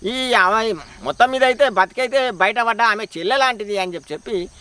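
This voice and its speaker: A man's voice: high-pitched, fairly quick, sharp tone, clean tone, no echo, recorded from a distance. A man with a Telangana accent narrating a folk proverb tale in a folksy, repetitive telling. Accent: Telangana Telugu. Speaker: folk storyteller.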